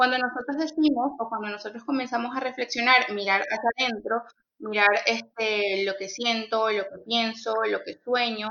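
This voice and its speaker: With a high pitch and ordinary pitch variation, a woman talks at a fairly slow pace. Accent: Venezuelan. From Venezuela. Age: 20s. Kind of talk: casual chat. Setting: online video recording.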